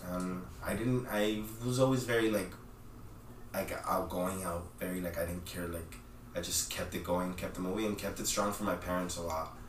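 A man talking as a podcast guest, soft-spoken and halting, with many pauses and fillers. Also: low voice, fairly even intonation. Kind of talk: casual interview. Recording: roomy, distant mic with faint noise.

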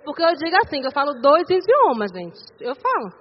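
A woman with a Bahian accent giving an animated sermon testimony in a church, acting out the dialogue of her story. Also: sits high, fairly quick. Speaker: preacher. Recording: dull sound in a reverberant hall.

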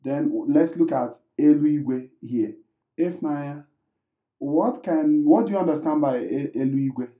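A man whose first language is Igbo, patiently explaining words and tones in a casual language lesson, often pausing with um and uh. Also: a little high, echoey room, phone-quality sound. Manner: explains patiently with many ums and restarts.

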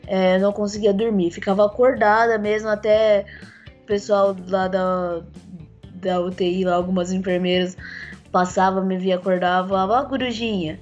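A woman of middle pitch tells her story earnestly, stopping and restarting often, with a voice that is still a little rough. The sound is muffled and lo-fi, with faint music in the background. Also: little pitch movement, darkish tone. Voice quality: voice still rough since a tracheostomy. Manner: earnest, halting, with many fillers and restarts. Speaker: interviewee. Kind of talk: personal account in a conversation.

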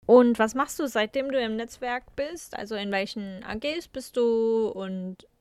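A woman's voice: fairly high pitch, unhurried, mellow, clear, resonant tone, dry recording. A woman hosting a podcast, putting questions to a guest in a conversational way. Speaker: podcast host. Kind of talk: conversational interviewing.

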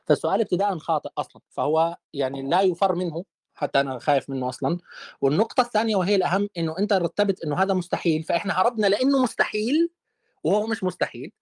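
A man's voice: high-pitched, no echo, studio quality. A man hosting a casual online debate, firing off rhetorical questions. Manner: animated, rapid-fire rhetorical questions.

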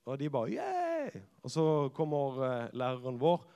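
Man, youth preacher, acts out quotes, goes loud then hushed, ordinary pitch, echoing church hall. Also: clean tone. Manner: lively storyteller who acts out quotes and drops to hushed tones. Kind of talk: personal storytelling sermon. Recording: long reverb of a church hall.

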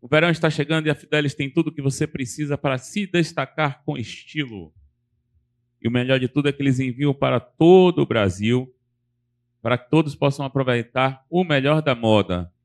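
A man co-hosting a live podcast, explaining the show's logistics and reading sponsor copy in a steady, orderly way. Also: mid-range voice, brisk. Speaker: co-host, reads sponsor ads.

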